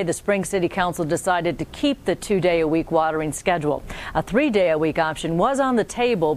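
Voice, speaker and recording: An American woman anchoring a local newscast in a polished, formal, scripted newsreader delivery. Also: a little mellow. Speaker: TV news anchor. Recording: clear background noise with low rumble.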